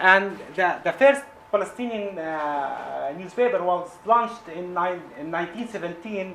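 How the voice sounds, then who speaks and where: There is audible room echo and noticeable background noise as a man with a high pitch and ordinary pitch variation talks at a moderate pace. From Palestine, West Bank. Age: 30s. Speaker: editorial cartoonist. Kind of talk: public talk. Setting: lecture hall with audience. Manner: halting, many hesitations.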